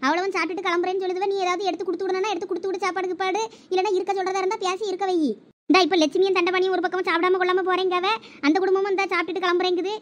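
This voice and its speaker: A woman voicing bickering young village wives in a comic cartoon family drama, with a Thoothukudi Tamil accent and a quarrelsome, complaining manner. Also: extremely high pitch. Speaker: cartoon voice actor.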